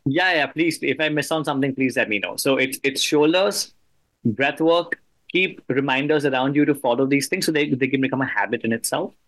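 A man's voice: medium pitch, a little fast, fairly bright tone, no echo. A man hosting a podcast interview, summarizing advice conversationally in an enthusiastic, affirming way. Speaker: podcast host.

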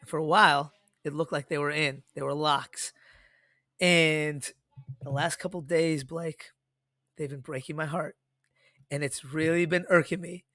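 A middle-aged man co-hosting a podcast, telling stories in a casual, animated way and acting out the dialogue he quotes. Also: a little high, unhurried, pauses often, no room sound, studio quality. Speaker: podcast co-host.

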